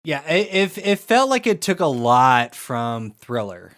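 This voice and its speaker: A man's voice: medium pitch, very animated, measured pace, a bit bright, smooth. A man co-hosting a podcast in casual chat, laid-back with lots of filler words. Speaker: podcast co-host.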